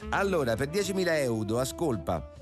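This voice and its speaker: Casting: male actor as showy, upbeat quiz show host for radio parody, swaps consonants, unbothered, middle pitch, music underneath. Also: big pitch swings, fairly quick, lightly acted. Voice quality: comically wrong consonants. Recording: music bed behind the voice.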